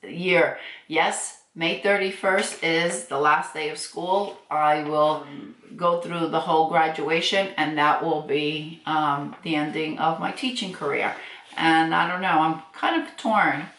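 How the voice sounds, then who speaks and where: A woman's voice: sits low, fairly even intonation, slow, a bit bright. A woman in her sixties chatting on her beauty vlog as she answers viewer comments, laughing often and speaking frankly. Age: 60s. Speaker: beauty vlogger. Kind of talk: casual chat reading viewer comments. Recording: echoey room.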